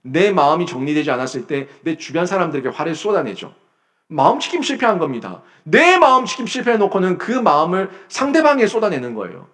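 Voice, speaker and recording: A male pastor delivers a Sunday sermon in a church sanctuary. His fairly high voice moves through a wide, lively pitch range. He keeps a forceful, emphatic delivery, alternating loud peaks with low, quiet lines. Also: brisk. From South Korea. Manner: emphatic preaching, rising to loud bursts then dropping low.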